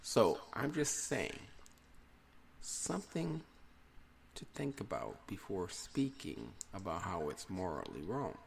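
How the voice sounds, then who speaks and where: A man hosts his own podcast in a rambling, opinionated solo monologue. His voice is fairly low with a gravelly fry, and it swings up and down a lot as he talks. A faint hiss sits under the recording. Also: sing-song, slow pace. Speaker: podcast host.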